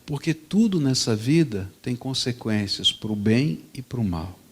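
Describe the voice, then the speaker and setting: A man voicing a calm, stern father who speaks low, slow and firm. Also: slight background noise.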